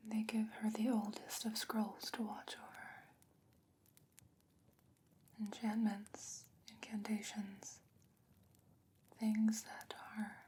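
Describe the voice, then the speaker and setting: A woman playing a calm, knowing, secretive potion maker in a soft-spoken ASMR fantasy roleplay, whispering slowly and breathily with measured, hesitant pauses. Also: mid-range voice, slight background noise, close to an everyday voice. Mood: hushed, mysterious.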